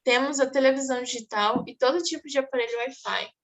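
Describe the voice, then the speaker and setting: A woman's voice: high-pitched, fast, fairly bright tone. Brazilian Portuguese teacher woman, explaining. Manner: explanatory, checks in with "tá bom?". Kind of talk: online exam review class.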